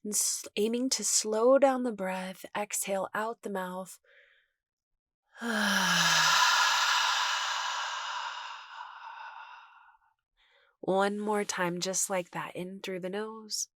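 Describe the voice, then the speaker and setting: A woman meditation teacher giving guided meditation instruction in a gentle, reassuring, unhurried manner. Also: medium pitch, steady tone, no echo, clean studio sound.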